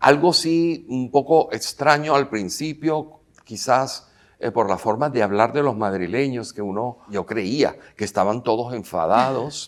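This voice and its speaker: A man with a medium-pitched voice speaks at a fairly slow pace with lively intonation, on a very clean recording with a silent background. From Venezuela. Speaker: film director and actor. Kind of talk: interview. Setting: studio. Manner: halting, with frequent repetitions.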